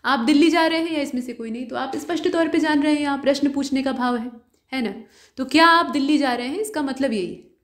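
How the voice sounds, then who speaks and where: High-voiced woman explaining test answers. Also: echoey room. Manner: steady explanatory tone, addresses viewer directly. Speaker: exam prep teacher.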